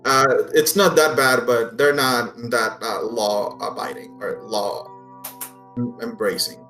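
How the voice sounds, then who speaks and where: A man's voice: medium pitch, fairly even intonation, takes it slowly, pushed and bright. A man speaking casually as the game master of a tabletop role-playing game. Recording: roomy echo, faint music behind.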